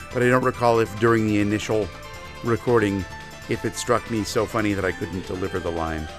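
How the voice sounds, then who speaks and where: Music plays in the background as a man with a fairly low pitch talks at a fairly quick pace, with ordinary pitch variation. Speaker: voice actor. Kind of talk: interview answer.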